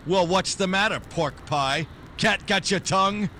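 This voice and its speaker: A man's voice: sits high, a little slow, bright, forceful tone, a little hiss or hum. A man playing a tough, sardonic private detective in 1940s noir radio style, with clipped, threatening wisecracks. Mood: hard, scornful. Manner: clipped wisecracking, hard-edged delivery. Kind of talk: 1940s noir radio drama acting, first-person narration.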